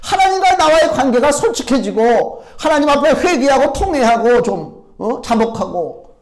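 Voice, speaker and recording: A male pastor preaching a Sunday sermon, full of rhetorical questions and sudden shifts from loud to hushed. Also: extremely high pitch, big pitch swings, normal speed. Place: church sanctuary.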